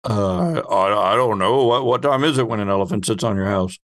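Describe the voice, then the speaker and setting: A man's voice: lowish voice, a little fast, no echo. Man running a game, dry recording. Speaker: host and game master. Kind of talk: casual improvised tabletop game narration.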